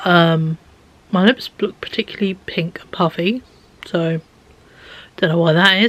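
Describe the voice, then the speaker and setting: In a British accent, a woman speaks at a moderate pace and medium pitch, her intonation fairly even. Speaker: vlogger. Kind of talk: casual vlog chat.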